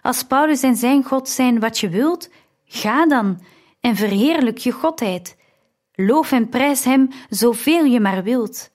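A woman's voice: fairly high pitch, animated, takes it slowly, darkish tone. A woman reading the indignant lines of a proud, stubborn young woman in an audiobook.

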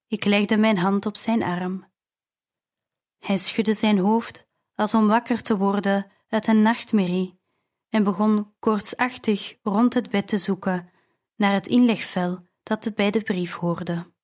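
Woman audiobook narrator, first-person story, slow unhurried delivery, medium pitch. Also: fairly even intonation, darkish tone.

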